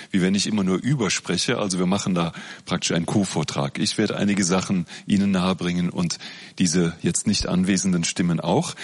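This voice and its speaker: A man giving a public lecture in a measured, explanatory way. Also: low voice, husky.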